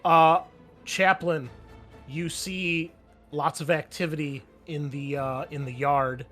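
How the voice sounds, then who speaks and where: A man's voice: mid-range voice, a bit bright. A man narrating a tabletop roleplaying game as game master, casually explaining the action and checking in with players.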